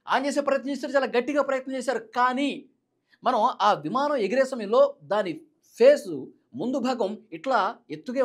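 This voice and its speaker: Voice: medium pitch, breathy edge. A Telugu news presenter giving explanatory commentary in a dramatic, emphatic manner, repeating key points.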